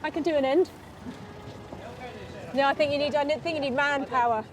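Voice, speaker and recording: A woman's voice: high voice, normal speed. A woman presenter chatting casually and enthusiastically outdoors at a recycling centre. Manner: bubbly and enthusiastic. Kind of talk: casual on-location chat.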